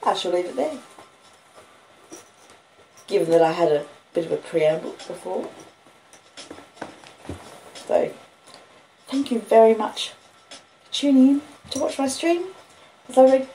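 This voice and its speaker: A woman's voice: on the high side, animated, measured pace, long pauses, dark tone. An Australian woman reading aloud and chatting to listeners as a streaming storyteller. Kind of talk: expressive audiobook-style reading of a classic novel with casual chat. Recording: roomy echo, clear background noise or hiss.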